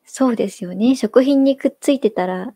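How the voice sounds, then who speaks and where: Soft-spoken woman reading viewer comments. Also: on the high side, a little fast, no echo, clean studio sound. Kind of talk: casual live-stream chat.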